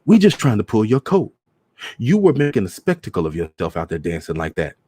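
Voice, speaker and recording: A grown son, as a male reader plays him, gentle yet disapproving. He admonishes point by point with some embarrassment, in a storybook reading with dry sound. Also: on the low side, wildly swooping pitch, a little fast, breathy edge, no echo, exaggerated voice. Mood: reproachful. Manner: admonishing, methodical. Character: gentle but reproving grown son, embarrassed by his mother.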